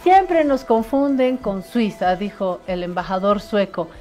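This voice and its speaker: A woman hosting a studio interview show, chatty and animated. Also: medium pitch, a little slow, soft background music. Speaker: talk show host.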